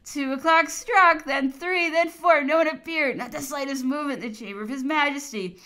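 High, bright woman reading a memoir. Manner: measured, with occasional amused laughter. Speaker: audiobook reader.

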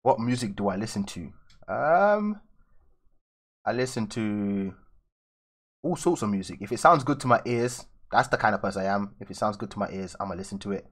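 A man's voice: lowish voice, lively intonation, moderate pace. A young man with a London accent, chatting casually with viewers in a live stream as he draws at his desk. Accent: London English. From raised in London, England. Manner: loose and chatty, answering viewers. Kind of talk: casual live-stream chat while drawing. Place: indoors at a drawing desk.

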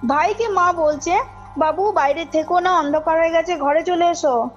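Calling in, a woman with a very high-pitched voice recounts a personal story at a moderate pace, speaking informally and with emphasis while often checking that her listener is following. Her call audio is muffled beneath loud background music.

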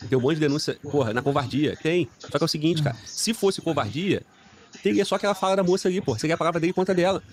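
Male video commentator, very rapid, blunt and indignant, profane. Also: a little high, animated, a little hiss or hum.

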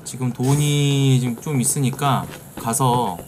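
A middle-aged man streaming a game live, reacting loudly and swearing at it. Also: medium pitch, a little slow, background noise. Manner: excitable, bursts into shouts and swears at the game. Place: streaming room indoors.

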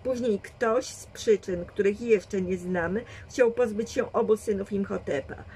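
A woman's voice: medium pitch, dark tone, slight background noise, close to an everyday voice, rough recording. A woman voicing a shrewd, dry and commanding old grandmother who reasons firmly in a read storybook. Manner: measured, firm reasoning.

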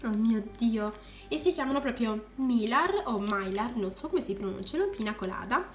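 A young woman who runs a crafts channel, gushing with excitement as she unboxes supplies for viewers. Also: fairly high pitch, normal speed, roomy sound, slight background noise. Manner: gushing, keeps exclaiming in delight.

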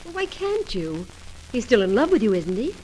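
A woman's voice: fairly high pitch, sing-song, moderate pace, a little mellow. A woman playing a frank, loyal best friend in an old radio soap, plain-spoken and encouraging, on a noisy old recording. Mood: incredulous. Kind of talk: 1940s radio soap acting.

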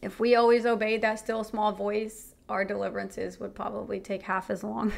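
A young woman tells her faith story in an earnest, personal way. Her voice has a gravelly fry and stays quite level in pitch. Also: level tone, normal speed. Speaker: testimony speaker.

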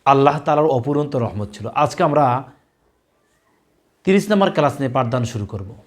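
A man teaching a recorded Quran reading lesson, spelling out letters slowly, repeating syllables, and speaking earnestly to parents. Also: medium pitch, animated. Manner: addresses parents directly, earnest and instructive.

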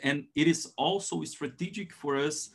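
Halting Brazilian man giving a presentation. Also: on the high side, gravelly. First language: Portuguese. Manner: hesitant, halting delivery. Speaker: academic presenter. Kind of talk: slide presentation on a video call. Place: indoors, on a video call.

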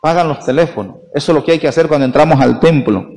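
A priest preaches a sermon at Mass in a church, emphatically asking the congregation questions and answering them himself. His voice is fairly high with a darkish tone and a quick pace, and long church reverb fills the recording.

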